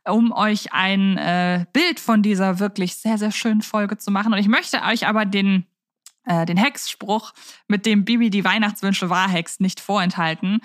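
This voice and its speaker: An enthusiastic woman co-hosts a casual fan podcast in pronunciation. Her voice sits at a medium pitch and she talks in a chatty, informal flow. The sound is dry, with hardly any room around it. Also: no room sound. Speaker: podcast co-host.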